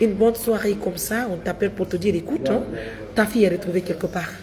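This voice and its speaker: A woman speaks at a medium pitch, and her pitch moves in an ordinary way. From Guinea (Pita). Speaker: journalist and NGO presenter. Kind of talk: live stream appeal. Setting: restaurant. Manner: soft-spoken.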